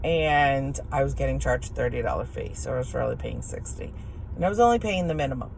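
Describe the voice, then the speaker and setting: A middle-aged woman with a hoarse voice, chatting frankly and rambling while she drives, easily irritated by other drivers. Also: rumbling low, expressive, a little fast, darkish tone, low-quality recording. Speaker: vlogger. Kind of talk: casual chat while driving. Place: in a car while driving. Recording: car road noise behind.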